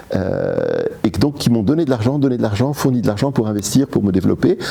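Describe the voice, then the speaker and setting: Very wide pitch swings over noticeable background noise. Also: man. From Morocco. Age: 60s. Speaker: entrepreneur. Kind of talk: interview.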